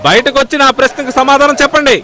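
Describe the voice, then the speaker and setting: A man's voice: extremely high pitch, steady tone, racing, bright, forceful tone. A man voicing an irritable, suspicious, blustering goat owner in a cartoon dub. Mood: demanding. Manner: blustering, demanding. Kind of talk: Telugu cartoon dubbing.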